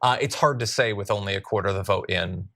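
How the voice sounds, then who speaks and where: A man's voice: on the low side, quick pace, fairly bright tone. A man analyzing election returns on a live broadcast. He talks carefully, hedges, and cites lots of numbers. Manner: careful, hedging, full of numbers. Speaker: data analyst on the panel. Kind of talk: live election night commentary.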